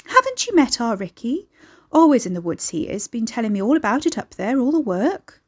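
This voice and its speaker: A woman's voice: a little high, sing-song, a little fast, breathy edge, pitched above the performer's own voice. A woman voicing an elderly, gossipy grandmother in an audiobook, maternal and pushy, with folksy, rambling talk. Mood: proud, chatty. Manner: folksy dialect, rambling, nosy.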